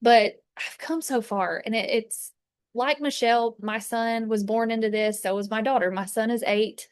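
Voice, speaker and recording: A woman's voice: fairly high pitch, steady tone, moderate pace, clean tone, no room sound, studio quality. A woman, chatting casually as a fragrance consultant, rambling with lots of fillers and restarts. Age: 30s. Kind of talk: casual chat. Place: inside an RV.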